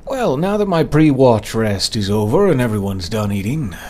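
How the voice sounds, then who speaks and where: An actor playing a haunted, weary male adventurer in a horror audio drama, with a halting, brooding manner. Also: mid-range voice, big pitch swings, mellow, slight background noise, natural voice. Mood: composed.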